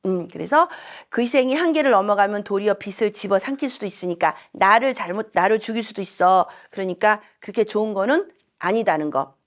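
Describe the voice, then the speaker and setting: A woman's voice: mid-range voice, fairly quick. A middle-aged woman who works as a shaman and saju teacher, giving a casual lecture full of personal stories and acting out the voices of people she quotes. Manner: chatty, animated storytelling, acts out quoted voices.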